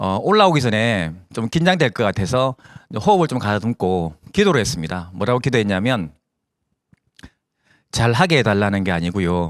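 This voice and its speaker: With long, frequent pauses at a moderate pace, a man with a fairly low pitch speaks on a very clean recording with a silent background. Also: lively intonation. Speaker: motivational speaker at business seminar. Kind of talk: seminar talk.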